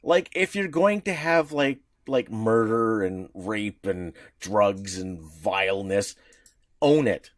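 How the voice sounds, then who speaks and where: A man co-hosting a podcast in casual chat, opinionated and animated, swearing freely. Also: lowish voice, slow pace, dry recording, studio quality. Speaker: podcast co-host.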